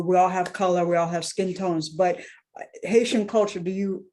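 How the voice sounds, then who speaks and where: Podcast host: woman with a mid-range voice, easy and encouraging as she asks questions. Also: mid-range voice. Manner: warm, affirming, conversational questions. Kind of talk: podcast interview.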